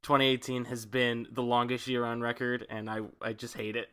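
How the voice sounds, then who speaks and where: Bright, smooth-voiced man co-hosting. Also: medium pitch, little pitch movement, brisk. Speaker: podcast co-host. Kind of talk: casual chat.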